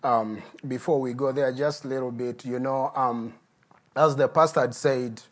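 A middle-aged man, a guest pastor giving a sermon and telling his testimony in an earnest, unhurried way. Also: medium pitch, fairly even intonation. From Uganda.

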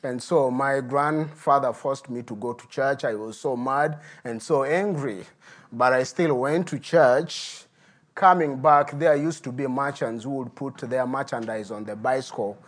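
A middle-aged man, a guest pastor giving a sermon and telling his testimony in an earnest, unhurried way. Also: medium pitch. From Uganda.

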